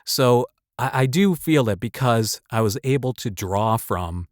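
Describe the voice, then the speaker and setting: A man's voice: medium pitch, expressive, a little slow, dry recording, clean studio sound. A man speaking as a voice actor giving casual advice, rambling and emphatic in a conversational way. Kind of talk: casual advice talk to camera or mic.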